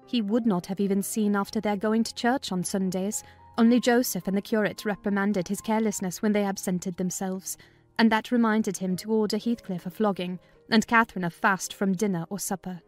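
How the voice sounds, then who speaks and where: A woman narrating a dramatized audiobook in a measured, literary storytelling manner. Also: medium pitch, steady tone, faint music behind.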